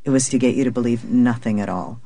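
Brief: woman film director from Russia, relaxed interview talk, lots of likes and you-knows. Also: rumbling low, fast, gravelly. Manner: casual, many fillers. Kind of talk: radio interview.

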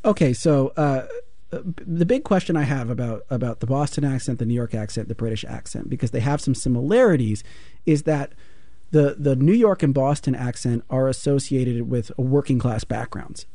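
A man hosting a call-in radio show, with a dark, mellow voice. He talks in a measured, conversational way, and the sound is dry and close with no room around it. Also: medium pitch, no room sound. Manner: measured, conversational, hands off to guests and callers. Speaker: radio talk show host.

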